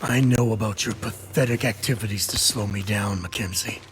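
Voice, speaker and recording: An actor playing a menacing, boastful convict gang boss in a video game, speaking theatrically between hissed threats and bellowing. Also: male voice, lowish voice, normal speed, soft background music, lightly acted. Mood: mocking. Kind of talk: video game cutscene acting.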